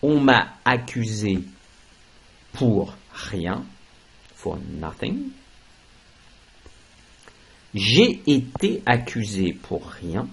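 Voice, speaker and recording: Slow, husky male French teacher. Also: on the low side, very animated, low-quality recording. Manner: explains slowly, switches into English for translations. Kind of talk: grammar lesson.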